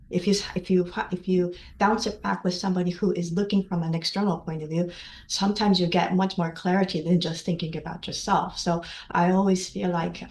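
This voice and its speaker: A woman's voice: on the low side, gravelly, echoey room. A Japanese woman asking questions on a webinar call, hesitant, with many fillers and restarts. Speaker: webinar participant. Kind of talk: casual discussion in a webinar.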